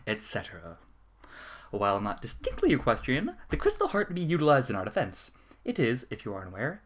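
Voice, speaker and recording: A man giving a dramatic, formal reading of a fan fiction letter as narrator, with the odd stumble. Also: mid-range voice.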